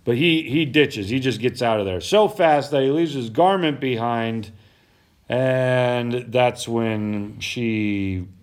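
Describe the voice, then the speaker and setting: A man with a voice of middling pitch, casually hosting a podcast about the Bible. He talks in a loose, chatty way and laughs easily. He sometimes trips over hard names as he reads them aloud. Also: takes it slowly. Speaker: podcast host.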